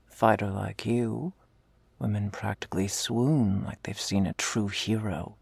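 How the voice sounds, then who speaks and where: Woman performing female half-orc war leader, ASMR role-play, breathy and husky, unhurried, tough yet tender, close dry sound. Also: steady tone, no room sound, heavily acted. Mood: earnest, confiding. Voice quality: low husky, breathy, gravelly voice. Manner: slow confessional delivery, often dropping in a soft voice.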